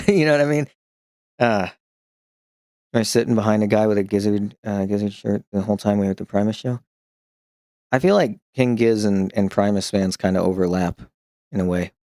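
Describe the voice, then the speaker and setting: A man streaming in a casual chat, telling rambling, profane stories with frequent restarts and chuckling along, who picks up a slight New York twang when he gets excited. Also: on the low side, moderate pace, pauses often, no room sound, studio quality. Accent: slight New York-style twang when excited.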